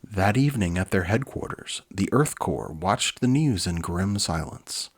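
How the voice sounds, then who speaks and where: With a low voice and a measured pace, a man in his forties reads a children's book aloud as host, switching between expressive narration and enthusiastic, casual asides.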